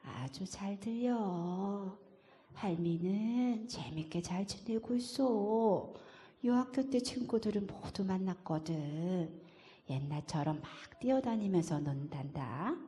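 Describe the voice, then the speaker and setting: A woman voicing a loving grandmother who speaks slowly and softly to her grandson. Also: mid-range voice, lively intonation, big-room sound. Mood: tender. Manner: slow, soft, tender.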